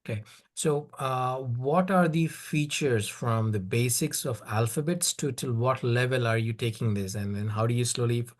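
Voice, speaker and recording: A man on a judging panel, friendly and encouraging, praising the idea and asking follow-up questions. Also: medium pitch. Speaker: competition judge.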